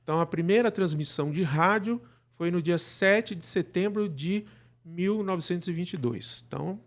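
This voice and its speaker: Higher-pitched Brazilian man explaining in conversation. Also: normal speed. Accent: Brazilian Portuguese. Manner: explanatory, often checks in with tag questions. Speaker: guest, radio drama producer. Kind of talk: conversational explanation in a live interview.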